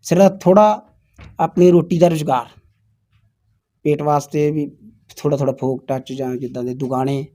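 A man, a folk singer answering interview questions in a humble, soft-spoken way and often agreeing with "haanji". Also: fairly high pitch, steady tone, moderate pace, long pauses. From Punjab, India.

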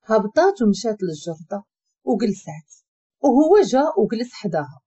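Animated Moroccan woman telling a story. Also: on the high side, normal speed, slightly rough. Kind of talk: scripted story narration. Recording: dull lo-fi recording.

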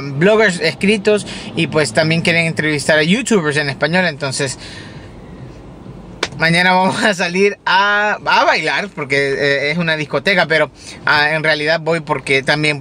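A man's voice: fairly high pitch, bright, forceful tone, slight background noise. Chatty man vlogging from his car. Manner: chatty, rambling, many fillers and restarts. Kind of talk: casual daily vlog. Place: in a car, driving.

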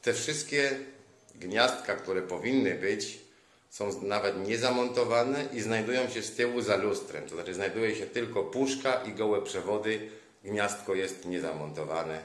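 Low-voiced man, exasperated house tour. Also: a little slow. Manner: exasperated, sarcastic complaining. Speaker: vlogger. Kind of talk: narrated house walkthrough. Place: indoors, rooms of a house.

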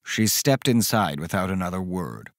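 An actor playing a caring, reflective man who recounts eerie events in measured, dramatic first-person horror narration. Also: low voice, very animated, no echo, clean studio sound. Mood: uneasy, reflective. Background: music underneath.

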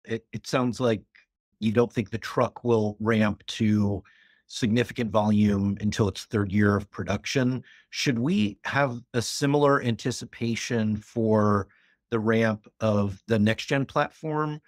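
A man putting a courteous, measured question as an analyst on an earnings call. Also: on the low side, dry recording, clean studio sound.

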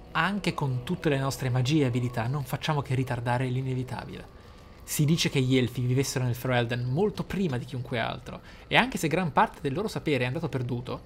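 Over game music, a man running a gaming channel expressively reads out lore and drifts into spontaneous commentary on it. He has a mid-range voice, and there's slight background noise.

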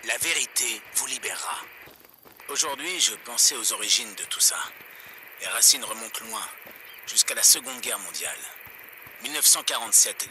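Defiant pirate radio broadcaster, noisy background. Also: male voice, mid-range voice, sharp tone. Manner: earnest, preaching conspiracies as if on air. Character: anti-government male pirate radio broadcaster, suspicious and defiant. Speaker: radio host. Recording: clear background noise, outdoor game ambience.

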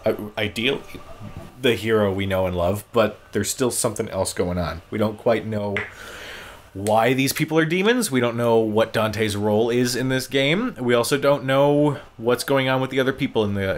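A man giving casual, explanatory gameplay commentary, haltingly, as he plays. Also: fairly low pitch, slight background noise. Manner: explanatory, halting while playing. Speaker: gaming show co-host and player.

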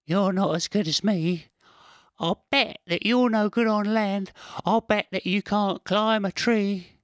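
A boastful little squirrel with a high, sneering, mocking voice, as a man puts him on for a storybook. He taunts loudly in a dry, close sound. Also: takes it slowly, no room sound. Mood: taunting. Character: boastful cheeky male squirrel.

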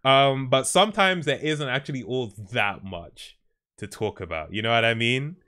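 On a headset in his home streaming room indoors, a young man talks casually with his chat, laid-back and quick to laugh. He speaks at medium pitch and moderate pace, his voice pushed and bright.

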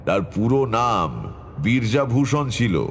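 An actor playing a middle-aged tantric astrologer, narrating his past in a measured, reflective way for a horror audio story. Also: mid-range voice, sing-song. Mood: measured, reminiscing. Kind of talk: dramatic first-person horror story narration. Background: background music.

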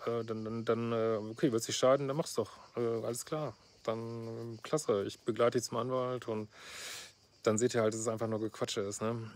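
A middle-aged couples therapist with a darkish, medium-pitched voice reads out a letter from a viewer, keeping a moderate pace and fairly even intonation. In this casual reaction vlog his comments are blunt and sarcastic, peppered with "ne?" and filler words.

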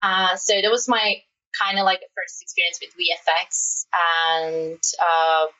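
A woman's voice: on the low side, steady tone, a little slow, sharp tone, recorded from a distance, highs cut off. A woman in her twenties from the Czech Republic, speaking English with a Czech accent, chatting casually in a podcast interview, with many fillers and frequent laughs. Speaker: guest, matte painter.

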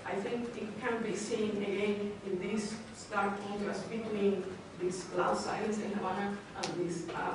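A woman speaking on an academic panel, halting with frequent fillers. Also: a little high. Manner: hesitant, many fillers and restarts. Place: lecture room. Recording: echoey hall from far off, noisy.

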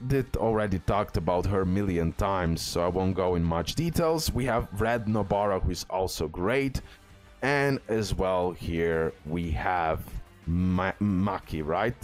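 A man giving casual, hyped commentary on a game tier list, in an informal way full of emphatic superlatives. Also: fairly low pitch. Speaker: gaming YouTuber. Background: background music.

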